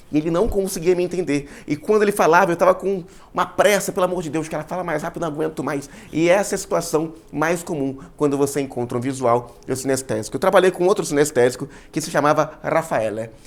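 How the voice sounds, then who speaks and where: Talking at a very fast pace, a man with a fairly high pitch sounds animated, his pitch varying in an ordinary way. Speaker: course instructor. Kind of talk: lecture; guided visualization exercise.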